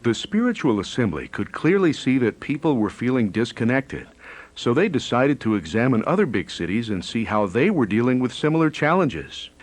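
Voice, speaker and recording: A man's voice: mid-range voice, sing-song, moderate pace. A man reading scripted narration for a newsreel as its narrator. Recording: music bed under narration. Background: faint music.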